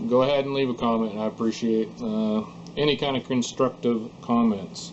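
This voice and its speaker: At a moderate pace, a man mumbles at a medium pitch with fairly even intonation over noticeable background noise. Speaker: hobbyist DIY YouTuber. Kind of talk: casual direct-to-camera talk. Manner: mumbling.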